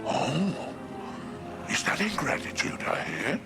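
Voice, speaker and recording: An actor playing a sly, gruff alien crime boss in a video game, drawling and insinuating with a gravelly voice. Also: male voice, on the high side, sing-song, slow, over music, exaggerated voice. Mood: mocking, coy. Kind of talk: video game cutscene acting.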